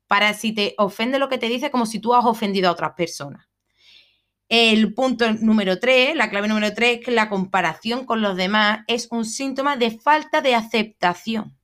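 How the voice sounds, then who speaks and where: A woman hosts a solo self-help podcast, talking reflectively with some fillers and frequently checking in with listeners by asking "¿vale?". Her voice is a little high and somewhat bright.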